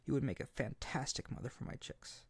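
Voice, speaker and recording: A man performs a young harpy boy in an intimate roleplay audio drama. He is lovesick and earnest, tripping shyly over his words as he speaks tenderly to the listener. The voice is mid-pitched and husky with some creak. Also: brisk, dry recording. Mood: overjoyed, affectionate. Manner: hesitant, stammering, tender and earnest.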